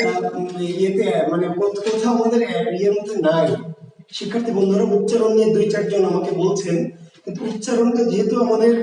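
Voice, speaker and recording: A man with a high, mellow voice teaches a lesson, stopping to repeat key words and sometimes falling into a sing-song. He sounds set back from the mic in a room with a long, ringing echo. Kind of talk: online Bangla grammar lecture. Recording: roomy echo with long reverb, voice far from the mic.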